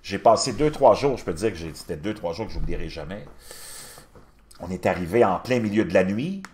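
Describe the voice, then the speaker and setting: Man, Québécois accent, fifties, low voice, lively swooping intonation, casual storytelling. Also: a little fast. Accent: Québécois French. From Quebec. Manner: animated, addresses the listener directly.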